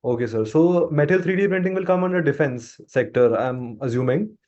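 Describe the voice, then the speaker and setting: A man's voice: a little high, lively intonation, fairly quick, darkish tone. A man with an Indian accent putting informal questions as an investor on a conference call. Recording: dull conference call audio.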